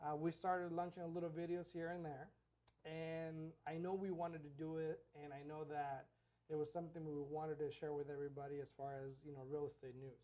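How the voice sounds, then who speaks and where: A man co-hosting a casual podcast as a real estate agent, relaxed and chatty with many fillers. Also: a little high, fairly quick, highs cut off. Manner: relaxed, repeats himself, filler-heavy.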